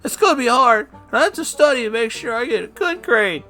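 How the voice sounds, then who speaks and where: A man voicing an earnest, smart young male cartoon fox in a high-strung way. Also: animated, a little fast, bright, forceful tone, soft background music, full character voice.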